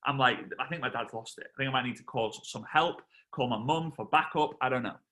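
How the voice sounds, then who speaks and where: A man from England in his thirties, a network marketing trainer telling a lively story on a video call and acting out the voices. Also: mid-range voice, fast talker. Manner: animated storyteller, acts out voices and shouts.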